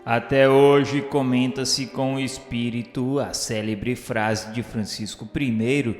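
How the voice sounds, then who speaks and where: A man with a Brazilian accent narrating a scripted radio drama in a solemn, formal, literary way. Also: medium pitch. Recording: echoey long reverb, music behind. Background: music.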